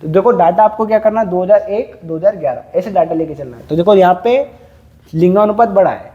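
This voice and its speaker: A man's voice: high voice, fairly quick, phone-quality sound. A man teaching a classroom lecture, quizzing students and drilling numbers through repetition.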